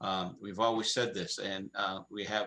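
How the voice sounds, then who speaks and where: With an American accent, the man's voice comes across bright and sharp in tone. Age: 60s. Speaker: town select board member. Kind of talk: public meeting discussion. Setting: video call.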